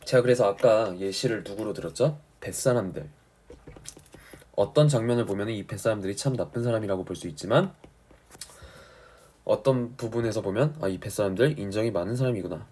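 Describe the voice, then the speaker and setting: A male teacher giving an exam-prep lecture on literature, explaining didactically and emphatically and often checking that students follow, his voice husky from a sore throat. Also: fairly low pitch, a little fast, darkish tone. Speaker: Korean language and literature teacher.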